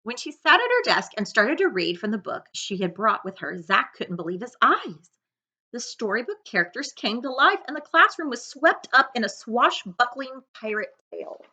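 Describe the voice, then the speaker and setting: A middle-aged woman reading a children's picture book aloud with expressive, dramatic storytelling and chatty asides. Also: fairly high pitch, moderate pace, slightly rough. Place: living room couch, indoors.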